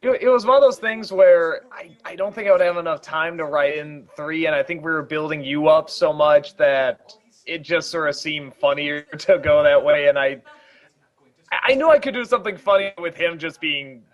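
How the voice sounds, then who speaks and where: A man giving a casual film commentary, talking in a rambling, halting way with many restarts. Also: a little high, muffled recording.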